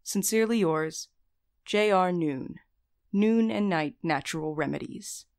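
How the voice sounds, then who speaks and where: Woman acting wry sleepless courier, lower-pitched, dry and weary, naturalistic podcast drama. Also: a little slow, darkish tone. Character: wry, sleep-deprived mail courier, guarded but apologetic. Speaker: lead actor in a fiction podcast.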